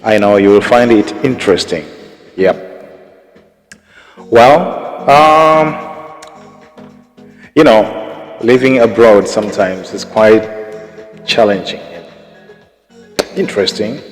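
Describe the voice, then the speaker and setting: A young man chatting casually to his viewers, unhurried, with many pauses and fillers. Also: lowish voice. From Tanzania. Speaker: vlogger. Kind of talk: casual talk to camera. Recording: long hall reverb, faint music.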